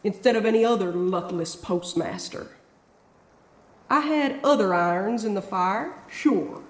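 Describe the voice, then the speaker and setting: Woman playing a slow, echoing cowboy spirit. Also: medium pitch, animated, lightly acted. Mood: sly, folksy. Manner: drawling, cocky, menacing. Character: folksy, scheming cowboy spirit, a mysterious drifter. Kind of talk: audio drama acting.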